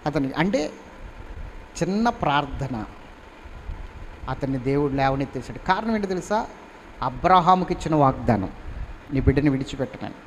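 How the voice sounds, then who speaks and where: High-voiced emphatic pastor. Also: male voice, expressive, moderate pace, pauses often. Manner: emphatic, urging the congregation to respond. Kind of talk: sermon. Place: church hall. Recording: reverberant hall, faint background noise.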